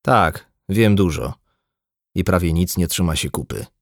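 A man voicing a blunt, embittered, drunk male doctor in an audiobook, gruff and lecturing. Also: low voice, unhurried, no echo, clean studio sound. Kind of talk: audiobook dialogue.

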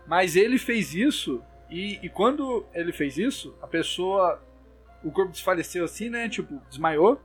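A man's voice: high voice, animated, moderate pace, a bit bright, faint music behind. A young Brazilian man with a Brazilian Portuguese accent chats casually, telling spooky stories with many restarts and fillers. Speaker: storyteller.

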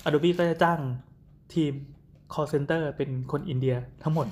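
A man telling a story in casual chat, halting and full of fillers, dropping English words into his talk. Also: on the high side, fairly even intonation, darkish tone, slight background noise. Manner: rambling, many fillers, mixes in English words.

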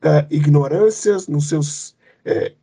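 A man's voice: on the high side, takes it slowly, vocal fry, dark tone, husky. A man from Cape Verde, a company leader, answering interview questions thoughtfully, with many fillers and restarts. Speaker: company executive, guest.

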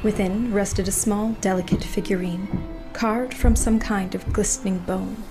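A woman narrating horror fiction as game master, with measured, suspenseful storytelling. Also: medium pitch, fairly even intonation. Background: music.

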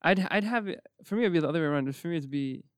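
Fast-talking young man, rambling chat. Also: fairly high pitch, lively intonation, clean tone, no echo, clean studio sound. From Morocco. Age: young adult. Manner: rapid, rambling, full of "like" and "you know what I mean". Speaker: podcast host. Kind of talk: casual podcast chat.

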